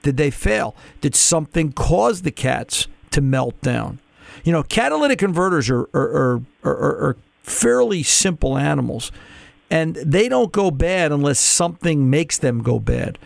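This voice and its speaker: A man's voice: a little high, very animated, unhurried, creaky, no room sound. A man hosting a call-in radio car show, chatty and explaining patiently, with frequent restarts.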